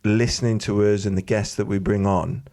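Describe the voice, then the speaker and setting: A man's voice: fairly low pitch, level tone, fairly quick, warm tone. A man co-hosting a podcast in casual chat, talking in an earnest, sincere way. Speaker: podcast co-host.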